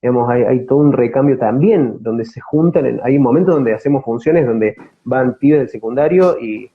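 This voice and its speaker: A man's voice: medium pitch, normal speed, phone-quality sound. A man with an Argentine accent from Córdoba giving conversational interview answers as an actor, feeling for words and repeating them as he goes. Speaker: theatre company actor, interview guest.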